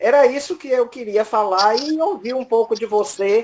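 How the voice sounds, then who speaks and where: Her pitch fairly high, a woman speaks at a fairly slow pace. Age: 60s. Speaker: audience member. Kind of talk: personal testimony.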